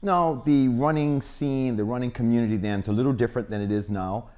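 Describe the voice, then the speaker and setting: A man hosting a sports interview, friendly and quick to laugh as he prompts with questions. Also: mid-range voice, dark tone. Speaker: sports show host.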